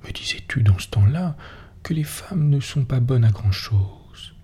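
A man in a whispered role-play, voicing a tender peasant wife who pleads softly with her husband. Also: medium pitch, expressive, measured pace, slightly rough. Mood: pleading tender. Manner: soft whispered reading.

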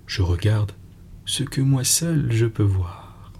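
A man reading the lines of a calm, guarded woman governess called a fairy, in a slow, low, gravelly voice. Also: a little hiss or hum, full character voice. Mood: calm, secretive. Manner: tranquil, guarded, gently firm.

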